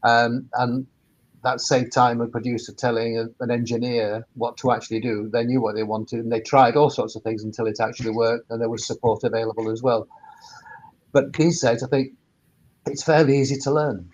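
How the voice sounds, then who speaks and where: A man with a mid-pitched voice talks as an expert on a panel. He explains things informally and haltingly, doubling back on words as he goes. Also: little pitch movement, lo-fi sound. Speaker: webinar panellist, sound engineer turned workspace operator.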